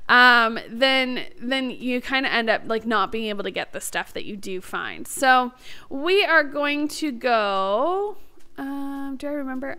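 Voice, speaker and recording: A woman's voice: on the high side, sharp tone, clear, resonant tone. A woman giving casual let's-play commentary as the host of a gaming series, chatty, bubbly and enthusiastic.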